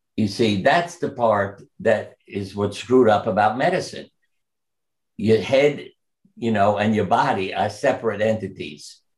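Somewhat breathy, fairly slow speech with lively intonation. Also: man, fairly low pitch for a man. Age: 80s+. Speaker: retired surgeon and author. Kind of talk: casual interview, storytelling.

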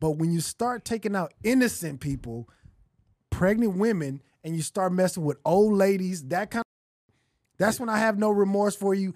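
On a very clean recording with a silent background and a dry, close sound with no echo, a man speaks at a high pitch with lively intonation. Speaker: podcast host. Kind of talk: heated debate, arguing back with rapid interruptions.

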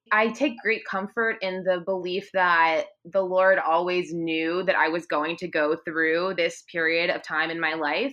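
A woman's fairly low, fairly slow delivery, an ordinary speaking voice, fairly even in intonation with hardly any pauses. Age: 30s. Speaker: teacher. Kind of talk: casual chat.

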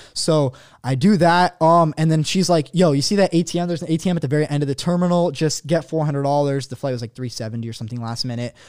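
A man with an American accent talks at a very fast pace with hardly any pauses, using a fairly high pitch and ordinary pitch variation. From US West Coast, San Diego. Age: young. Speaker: e-commerce entrepreneur. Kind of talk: casual chat.

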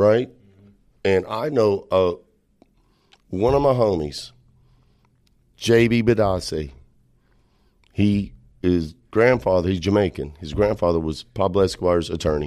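A man with an American accent speaks at a fairly low pitch and a fairly slow pace, with ordinary pitch variation and long, frequent pauses, on a very clean recording with a silent background. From Texas Panhandle. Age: 40s. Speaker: entrepreneur. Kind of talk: casual interview chat. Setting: studio.

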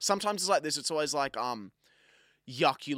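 With an Australian accent, a man talks fairly quickly in a bright, sharp tone with vocal fry. The recording is very clean, with a silent background and a dry, close sound with no echo. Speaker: podcast co-host. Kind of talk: casual chat. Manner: giggly.

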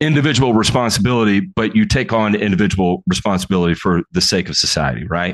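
A man with a Southern US accent at a fairly quick pace. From US South, Mississippi/Memphis. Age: 30s. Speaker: podcast hosts' husband. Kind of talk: casual chat.

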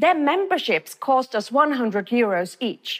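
A woman speaks in a Finnish accent with a high pitch. The recording is very clean, with a silent background and a dry, close sound with no echo. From Finland. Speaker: business professor. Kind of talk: talk to audience.

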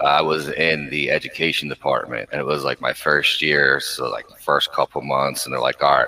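The sound is dry and close with no echo. A man with a Philadelphia accent talks at a fairly quick pace. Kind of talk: casual chat.

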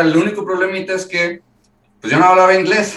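A man is speaking. He has a Mexican accent. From Mexico. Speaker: marine. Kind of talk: casual chat.

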